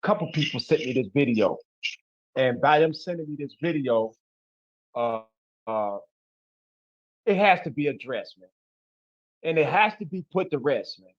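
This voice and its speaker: A man's voice: a little high, lively intonation, normal speed, long pauses, no room sound, muffled recording. A man from Chicago with a Chicago accent, a guest in an interview who talks bluntly and emphatically in street slang. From Chicago, USA. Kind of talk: casual interview talk.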